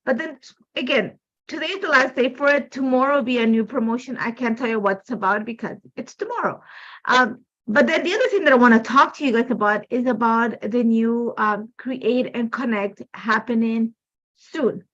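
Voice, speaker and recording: A woman from Ecuador, a native Spanish speaker, talks in Ecuadorian-accented English while hosting a live crafting demo from home as a design team member. The casual live-stream chat rambles, full of "like, you know" fillers. Her voice is a little high and a bit bright, at a moderate pace, with the highs cut off in the recording.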